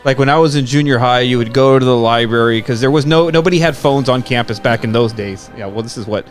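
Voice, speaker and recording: A man's voice: medium pitch, quick pace, faint music behind. A man, co-hosting a podcast casually and rambling with lots of fillers and restarts. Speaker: podcast co-host.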